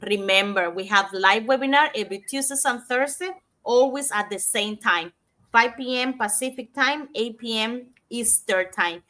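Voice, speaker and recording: Bright-voiced woman co-host from Cuba. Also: fairly high pitch. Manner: reads lists of names and details, slightly halting. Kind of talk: online talk show.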